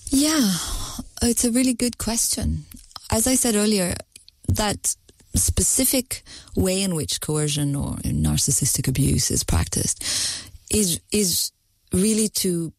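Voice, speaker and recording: A woman who grew up in the Middle East, telling a personal story in a measured, thoughtful way as an interview guest. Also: sits low, gravelly, darkish tone, no room sound. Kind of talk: reflective personal account.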